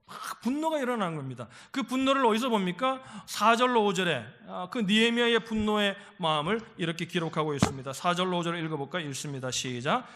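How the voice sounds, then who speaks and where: High, bright-voiced pastor preaching. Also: male voice, lively intonation, a little fast, hardly any pauses. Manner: leads congregation in reading aloud, rising to fervent exhortation. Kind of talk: sermon.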